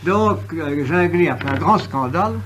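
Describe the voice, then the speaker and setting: Guy lecturing on history, kinda high voice, emphatic and oratorical, ironic asides, bit of hiss and clicks on an old recording. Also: lively intonation, normal speed, fairly bright tone.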